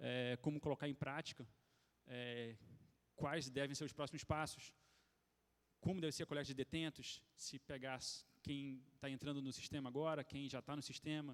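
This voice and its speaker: His voice sits fairly high for a man, with fairly even intonation. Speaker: forensic expert speaker at a workshop. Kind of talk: conference talk. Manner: hesitant, many fillers; fast.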